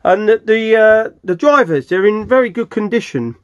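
A middle-aged British man talks casually through a restoration job in his workshop. His voice sits slightly high, and he rambles informally, rephrasing as he goes. The handheld recording sounds a bit dull and lo-fi. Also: expressive, moderate pace, clear, resonant tone. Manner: informal, rambling, self-correcting. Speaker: furniture restorer presenting his project. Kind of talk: casual hands-on video walkthrough. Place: cluttered indoor wooden workshop. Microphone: handheld camera mic, speaker behind camera.

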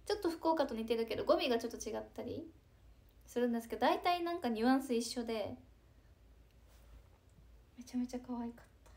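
A young woman chats breezily on a live stream. Her voice sits a little high, and she drifts into hushed asides as she reads the comments. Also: lively intonation, quick pace, pauses often. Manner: chatty, breezy, drops into soft asides. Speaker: idol livestreamer reading chat comments. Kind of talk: casual live-stream chat.

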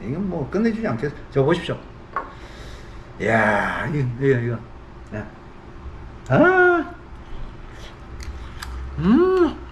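Middle-aged man, lively swooping intonation, casual mukbang chat, expressive, sometimes mouth full, faint background noise. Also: mid-range voice, moderate pace, long pauses. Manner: expressive, exclaiming while savoring food; talks with mouth full at times. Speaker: mukbang host. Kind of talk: casual eating-show chat.

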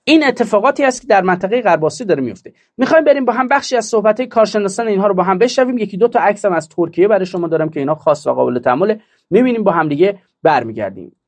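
A man's voice: high-pitched, lively intonation. A man delivering a political commentary monologue, emphatic and mocking, full of rhetorical questions.

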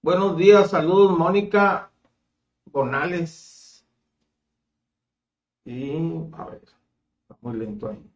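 Slow-paced older northern Mexican man, higher-pitched. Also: expressive. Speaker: interview show host. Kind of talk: casual chat, reading audience comments. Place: small cluttered indoor room, seated at a table. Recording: roomy echo, slightly dull sound.

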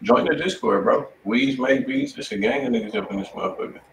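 A man's voice: a little high, huge pitch swings, brisk, creaky. A man with an American accent chatting casually in slang as host of a livestreamed music show. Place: indoor room on a livestream. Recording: echoey, distant mic, faint noise.

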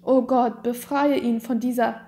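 A woman's voice: fairly high pitch, fairly even intonation, a little slow, dark tone. A woman voicing a frail, devoted wife in a storybook, speaking tenderly and tearfully with earnest pleading. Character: frail, devoted wronged wife, gentle and forgiving. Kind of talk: dramatic storybook reading.

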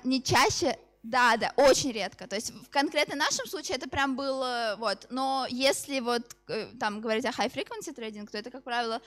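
A young woman with a fairly high voice answers questions after a presentation. She speaks informally and haltingly, starting sentences over as she explains. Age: 20s. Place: open event hall with seated audience.

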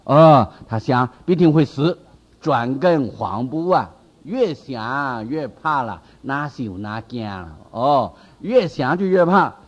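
Animated monk lecturing, lo-fi tape. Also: male voice, mid-range voice, takes it slowly. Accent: Taiwanese Mandarin. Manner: animated, acts out the disciple's fear with exclamations. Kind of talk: sutra lecture.

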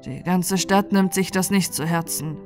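A woman voicing a mature, resigned male poet in a fairy tale, measured and wry. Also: on the low side, over music, close to an everyday voice. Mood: resigned, earnest.

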